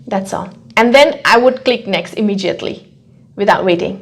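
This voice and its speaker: A woman's voice: mid-range voice, normal speed. A woman working as a language test coach, talking casually in a question-and-answer discussion.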